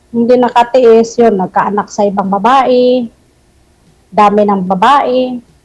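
A woman speaks in a normal speaking voice at a fairly high pitch, fairly slowly, with fairly even intonation. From Sarangani, Mindanao, Philippines. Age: 40s. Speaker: overseas Filipino worker, dating show participant. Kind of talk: casual chat.

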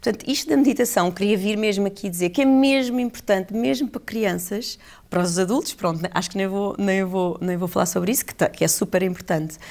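A woman speaks at a very fast pace with lively intonation and hardly any pauses. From Portugal. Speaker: former pro surfer; podcast guest. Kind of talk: casual chat; interview answer. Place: studio.

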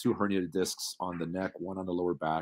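Against a quiet background, a man talks in a very deep, low voice. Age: 40s. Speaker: podcast guest. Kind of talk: casual interview. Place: home room.

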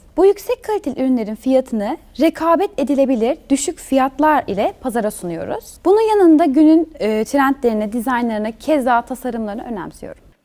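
This woman has a high pitch that swings very widely, moving at a fairly quick pace with hardly any pauses. The sound is dry and close, with no echo. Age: 20s. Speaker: textile brand founder and designer. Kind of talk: interview. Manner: hesitant with filler sounds.

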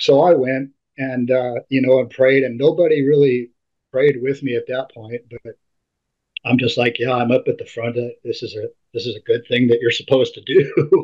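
This man's loudness swings widely. His intonation stays monotone and flat. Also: moderate pace, quiet background. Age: 50s. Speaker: former church member sharing his story; interview guest. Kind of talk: interview testimony. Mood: reflective, relaxed. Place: home room. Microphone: video call.

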